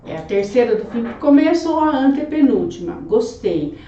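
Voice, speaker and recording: A Brazilian Portuguese woman teaching, correcting an exam question by question in a slow, chatty, didactic way. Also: a little high, sing-song, mellow, roomy sound, recorded from a distance, dull audio.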